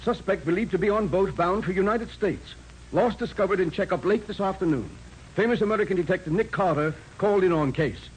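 Man playing polite, official company manager for old radio crime show; quite high male voice, faint hiss. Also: a little fast, lightly acted. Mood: brisk, official. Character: courteous, businesslike male diamond mine general manager. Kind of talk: 1940s radio acting. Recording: noisy old 1940s radio broadcast.

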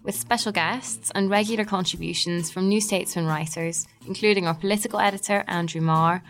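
A woman's voice: lowish voice, steady tone, a little fast, a bit bright, poor audio. A woman, a podcast host reading a scripted promo. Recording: guitar music under the voice. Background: plucked guitar music.

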